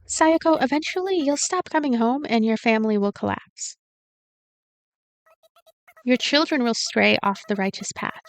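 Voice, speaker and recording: A woman's voice: on the high side, moderate pace, pauses often, faint music behind, close to an everyday voice. A woman voicing a dignified, teacher-like young woman who takes charge in a story game, reasoning in an orderly, bossy way. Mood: stern warning.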